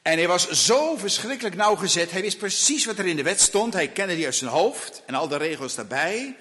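A man preaching a sermon slowly and emphatically, asking rhetorical questions of his listeners. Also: high-pitched, lively intonation, fairly bright tone, in a large hall.

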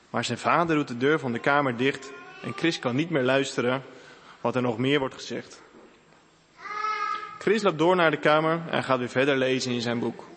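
A man reading a children's story aloud in a clear, expressive way. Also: medium pitch. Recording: echoey room with faint hiss.

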